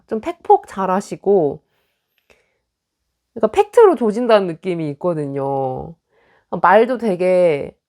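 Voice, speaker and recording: A young woman gives a casual tarot reading, chatting along as she lays out the cards. Her pitch is lively and moves a lot, and she slips into little acted-out lines of what other people might say. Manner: chatty, acts out quoted lines. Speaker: tarot reader.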